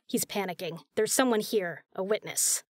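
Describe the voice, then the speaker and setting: A woman's voice: mid-range voice, normal speed, no echo, studio quality, lightly acted. A woman playing a tough, capable spy in an audio drama, flirty yet caring. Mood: brisk, businesslike. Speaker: voice actor in a fan audio drama. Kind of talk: audio drama acting, intimate.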